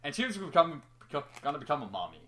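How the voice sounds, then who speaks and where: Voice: medium pitch, big pitch swings, very fast, a bit bright. A young adult reading a story aloud in an amateur, casual way, stumbling at times, teasing and swearing between passages. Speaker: reader of a story. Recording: noticeable background noise.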